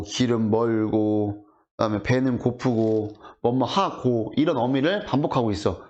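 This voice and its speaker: A man teaching high school literature in an online lecture, talking casually and asking his students rhetorical questions. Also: darkish tone. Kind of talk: online exam explanation lecture. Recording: dull lo-fi audio.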